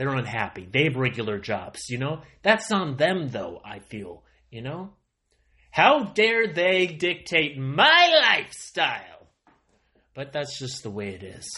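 The man's bright, sharp tone carries vocal fry at a fairly high pitch. His pitch swings very widely, and his pace is fairly slow. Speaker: stand-up comedian and podcast host. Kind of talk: casual comedic monologue. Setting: home recording, solo. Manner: alternates between mumbly quiet and loud; loud.

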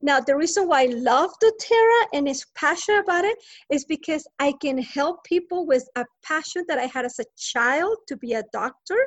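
At a moderate pace, a woman with a Spanish accent speaks in a high pitch, her voice swinging very widely up and down. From Colombia. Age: 50s. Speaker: accountant and wellness business owner. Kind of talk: interview.

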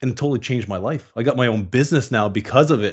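A man speaks in an Atlantic Canadian accent. His pace is fairly quick, with ordinary pitch variation. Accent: Canadian (Atlantic Canada). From East Coast of Canada. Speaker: refrigeration trainer and mentor. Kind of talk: podcast interview.

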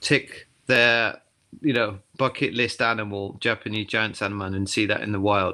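A man speaks in a bright, sharp tone with a southern English accent. His intonation is fairly even, and the recording is very clean with a silent background. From England, Cotswolds. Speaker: nature tour guide and conservationist. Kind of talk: casual interview.

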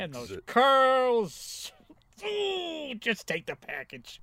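A man speaks at an extremely high pitch in a raised, projected voice. He goes at a very slow pace. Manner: brash, wisecracking, tough-guy.

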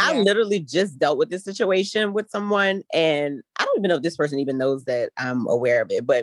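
A woman talks at a fairly quick pace with lively intonation, in a dry, close sound with no echo. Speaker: podcast host. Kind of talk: casual chat.

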